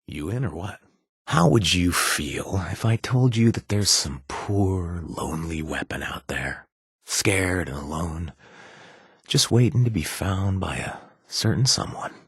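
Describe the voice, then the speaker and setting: Roguish ex-raider game ally, husky, very lively intonation, flirtatious, wry, teasing, hesitant pauses. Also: male voice, low-pitched, no room sound, clean studio sound, exaggerated voice. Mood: sly, enticing. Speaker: video game companion character. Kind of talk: video game voice acting.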